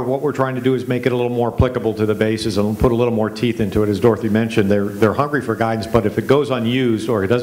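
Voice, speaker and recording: A man's voice: lowish voice, darkish tone, slight background noise, low-quality recording. A man who heads a facilities management office, explaining policy on a panel discussion.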